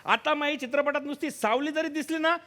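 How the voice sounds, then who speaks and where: An actor playing a meek production assistant, apologetic and grumbling, in a stage comedy sketch. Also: male voice, very high-pitched, fairly quick. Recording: noisy stage audio.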